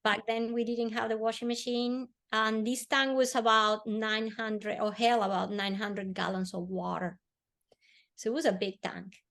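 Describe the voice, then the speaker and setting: A woman from Colombia speaks, pitched a little high. She tells a personal story earnestly as an interview guest. She eases into a slower, softer delivery on the heavier parts. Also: flat delivery, vocal fry. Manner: earnest, slowing and softening on emotional words. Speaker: podcast guest.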